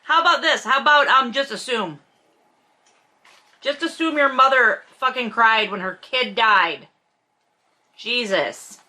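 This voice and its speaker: A woman's voice: a little high, measured pace, long pauses, bright, forceful tone. A woman hosting a book read-along, reading aloud and commenting in a blunt, profane, sarcastic and casual way. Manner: sarcastic, emphatic.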